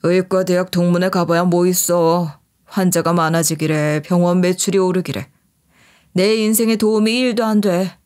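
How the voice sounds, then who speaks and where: A woman's voice: on the low side, fairly even intonation, normal speed, darkish tone, close to an everyday voice. A woman voicing a sulky, condescending middle-aged husband who is a doctor, talking in a grumbling, dismissive way.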